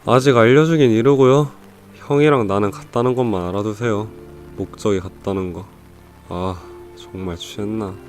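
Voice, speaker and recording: A man's voice: lowish voice, steady tone, moderate pace, a little mellow, soft background music, natural voice. A man playing a sly, tipsy young student in a radio drama, casual and teasing with something hidden. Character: tipsy, sly young male junior student hiding motives.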